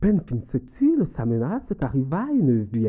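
The clip has an unforced reading voice.

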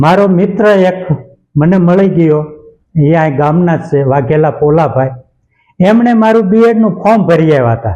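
Pitched high, a man speaks with lively intonation and a dark, mellow tone. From Gujarat, Saurashtra (Botad/Bhavnagar area). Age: 50s. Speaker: primary school teacher. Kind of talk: interview.

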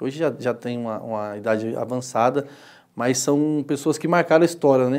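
At a moderate pace, a man speaks at medium pitch in a dark, mellow tone, with a quiet background. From Osasco, São Paulo, Brazil; São Paulo, Brazil. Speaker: city councillor. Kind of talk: interview. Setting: studio. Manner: halting, many repetitions. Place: studio. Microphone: lapel.

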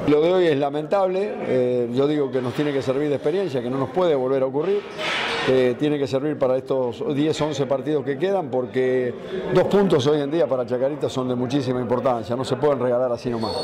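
Noticeable background noise sits behind a man talking at a fairly quick pace with ordinary pitch variation. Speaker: football coach. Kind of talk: interview answer. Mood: disappointed, measured. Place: stadium. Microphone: handheld.

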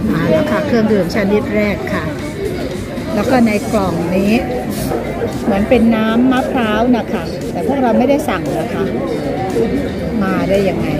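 A woman speaks with ordinary pitch variation. Crowd noise fills the background. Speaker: travel vlogger. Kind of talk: casual vlog narration. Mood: calm, pleasant. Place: cafe. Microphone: phone near.

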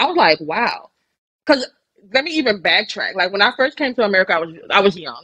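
Speech comes at a fairly quick pace with very wide pitch swings and an animated tone, the sound dry with no echo against a quiet background. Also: woman. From Nigeria, Benin City; moved to the US as a child. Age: 20s. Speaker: life coach, military veteran. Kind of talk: casual interview chat. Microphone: video call.

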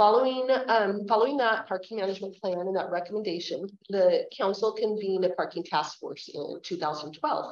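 Here a woman speaks at a medium pitch and a moderate pace, with hardly any pauses. The background is quiet, though the room echoes audibly. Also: ordinary pitch variation. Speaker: city government official. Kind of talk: policy presentation. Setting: meeting room with live audience. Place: meeting room.

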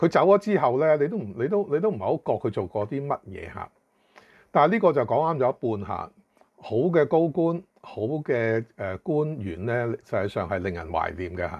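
A man with a Hong Kong accent, vocal fry and very wide pitch swings, over a quiet background. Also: moderate pace. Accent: Hong Kong Cantonese. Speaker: news commentator. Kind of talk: news commentary monologue. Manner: halting, many fillers.

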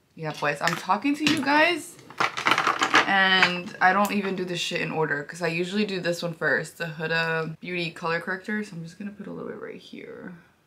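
A woman at a fairly quick pace with big swings in loudness, over noticeable background noise. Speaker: beauty vlogger. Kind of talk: casual vlog chat. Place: home room.

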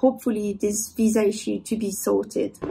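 A woman's moderate-paced speech with light noise behind it. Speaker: sailing vlogger. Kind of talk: casual vlog chat. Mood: earnest, somewhat worried. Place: boat. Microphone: camera far.

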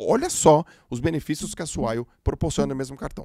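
Animated and fairly quick, a man talks with a fairly high pitch and some vocal fry. The sound is dry with no echo over a quiet background. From Brazil, Santos (São Paulo state). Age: 40s. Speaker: podcast host. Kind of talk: casual interview. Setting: studio. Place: studio. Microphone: studio mic.

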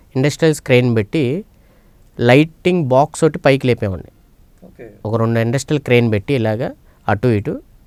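An ordinary speaking voice with ordinary pitch variation, in a dry sound with no echo against a quiet background. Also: man. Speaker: cinematographer; guest. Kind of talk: interview. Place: studio. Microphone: lapel.

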